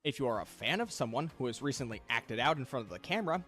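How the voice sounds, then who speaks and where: A man reading a scripted video essay, measured and reflective, critical in tone. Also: medium pitch, expressive, fairly bright tone, faint music behind. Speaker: commentary channel host.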